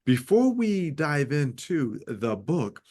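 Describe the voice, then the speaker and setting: A man's voice: fairly high pitch, very animated, slow, a little mellow. A man hosting a radio interview show, greeting his in-studio guests with formal, effusive welcomes.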